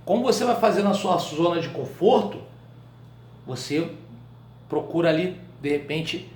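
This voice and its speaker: A Brazilian man with a fairly high voice teaches a writing class. He talks in a loose, colloquial way and keeps tossing quick check-in questions to his students. The sound is echoey, as if from a bare room. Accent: Brazilian Portuguese. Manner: colloquial, animated explaining. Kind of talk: live online writing class.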